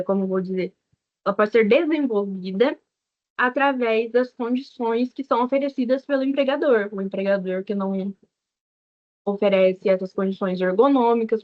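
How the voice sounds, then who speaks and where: A young woman with a Brazilian Portuguese accent, a teaching assistant giving a law review lesson, explaining step by step with fillers and pauses. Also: fairly high pitch. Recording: dull lo-fi lecture recording.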